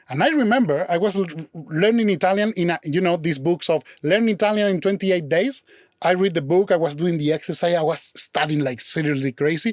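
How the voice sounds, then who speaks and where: A man with a Spanish accent and a high pitch sounds animated, keeping very even loudness and ordinary pitch variation. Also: fairly quick pace, dry, close sound with no echo. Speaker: visual effects supervisor. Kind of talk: casual chat.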